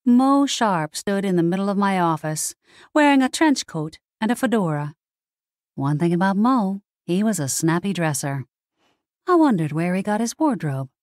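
A woman's voice: mid-range voice, sing-song, normal speed, a little mellow, dry recording, clean studio sound. A woman narrating a first-person mystery audiobook from a script.

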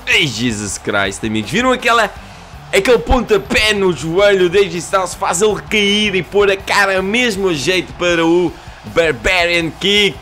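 A young Portuguese man commentating a video game in an excitable, loud way, swearing and mixing in English phrases, with faint music behind him. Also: sits high, normal speed. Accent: European Portuguese. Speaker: gaming youtuber.

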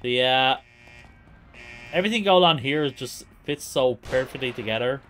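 A man's voice: medium pitch, expressive, moderate pace, fairly bright tone. Male game streamer over noisy ambience. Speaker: live streamer. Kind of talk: casual gameplay commentary.

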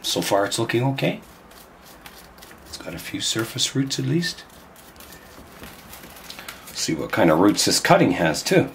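This is an older bonsai channel host whose voice is hoarse from a cold, talking casually as he works by hand inside a glass greenhouse and thinks out loud. His pitch is mid-range but swings widely. He goes a little slow, with long pauses and slight background noise.

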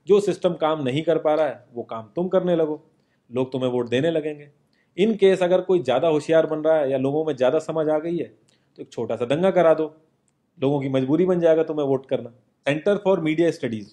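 Earnest young man, mellow voice. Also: on the high side. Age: young adult. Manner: earnest, informal, addresses the viewer as "yaar". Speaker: social commentary presenter. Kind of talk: scripted monologue to camera. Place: indoor home studio, seated.

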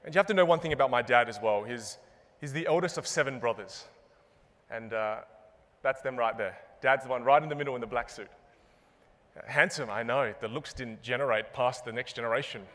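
A man's voice: mid-range voice, fairly quick. Young man, stage keynote speaker, playful self-deprecating delivery, headset mic, reverberant hall. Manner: animated, punchline-driven, self-mocking. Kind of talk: comedic keynote speech. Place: large conference stage before a live audience. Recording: long reverb of a big hall.

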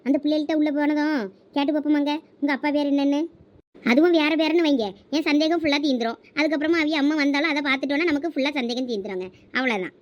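A woman's voice: high-pitched, fast, muffled recording, lightly acted. A woman playing a suspicious Thoothukudi village mother. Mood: uneasy. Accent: Thoothukudi Tamil. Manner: pleading, justifying herself. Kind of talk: village comedy skit acting.

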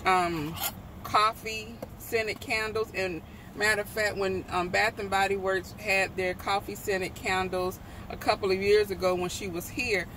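A middle-aged woman talks through her shopping haul on a phone held at arm's length, rambling and correcting herself as she goes. Her voice sits at an ordinary middle pitch. Steady car and street noise runs behind her in the noisy phone recording. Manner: chatty, rambling, with frequent ums and self-corrections. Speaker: vlogger. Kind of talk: casual shopping haul vlog. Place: store then parked car with air conditioner on. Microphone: handheld phone at arm's length.

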